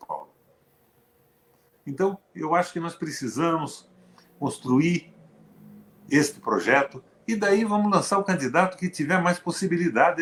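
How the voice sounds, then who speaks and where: An older Brazilian man, a former senator, talking politics in an emphatic, sarcastic way. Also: on the high side. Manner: emphatic, animated, with sarcastic asides. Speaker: former senator, show host. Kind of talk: political conversation. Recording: echoey room.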